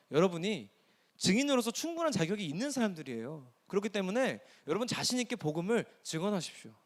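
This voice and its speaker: A man preaching a sermon to a young adults' service in a lively, conversational way, acting out bits of dialogue. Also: high-pitched. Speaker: pastor.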